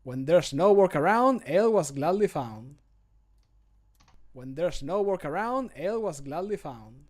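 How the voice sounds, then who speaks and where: A man's voice: a little high, expressive, a little slow, darkish tone. A man voicing a cheery, quirky ale-loving fantasy game character in a whimsical, sing-song manner. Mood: cheerful. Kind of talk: fantasy video game voice lines.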